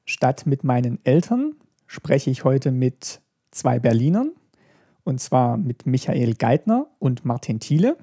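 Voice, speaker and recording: A man's voice: medium pitch, sing-song, slow pace, mellow, breathy edge, no room sound, clean studio sound. A man hosting a podcast interview, politely and somewhat hesitantly moderating his guests. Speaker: podcast host.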